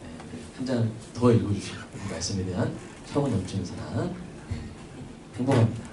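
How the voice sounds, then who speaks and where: A man's voice: low-pitched, expressive, normal speed, noisy background. A male pastor preaching a sermon and asking his congregation questions. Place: church sanctuary. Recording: echoey church from a distant mic.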